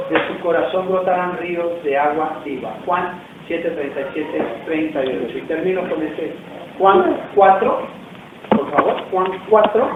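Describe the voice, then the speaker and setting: High-voiced pastor preaching in an echoey hall. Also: male voice. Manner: conversational preaching, rhetorical questions to the congregation. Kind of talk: sermon. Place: church hall. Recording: distant, echoey, tinny, faint noise.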